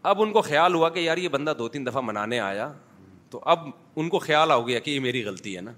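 A man's voice: fairly high pitch, expressive, a bit bright. A man giving a sermon in a mosque, taking questions and telling blunt, humorous stories with acted-out dialogue. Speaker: mufti giving a Sunday lecture. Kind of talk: sermon with anecdotes and audience questions. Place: mosque, before a congregation.

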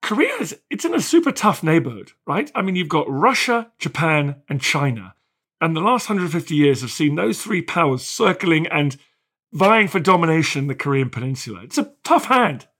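A man's voice: fairly high pitch, sing-song, moderate pace, a bit bright, breathy edge. A man hosting an interview podcast, asking questions in a jokey, conversational way. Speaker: podcast host.

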